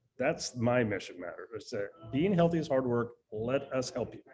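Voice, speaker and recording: A man speaks at a moderate pace with lively intonation while music plays in the background. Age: 60s. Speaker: medical fitness clinic founder and trainer. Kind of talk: interview.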